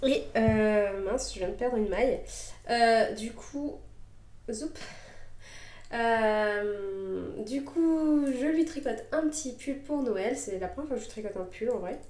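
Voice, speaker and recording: A knitting podcaster who is just getting over a cold chats hesitantly in a casual show-and-tell vlog, filmed at home while she knits on camera. Her voice is on the high side and a bit dark, and she speaks slowly with many fillers and restarts. The room is echoey.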